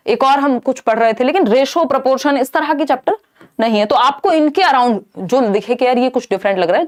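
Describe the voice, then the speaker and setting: Indian woman teaching an exam-prep lecture. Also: on the high side. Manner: explains in Hindi mixed with English terms, asks and answers own questions.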